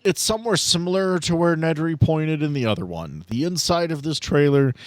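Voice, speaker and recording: A man's voice: fairly high pitch, lively intonation, a little fast, no echo. A man narrating a casual tabletop game as game master, with dry, teasing banter.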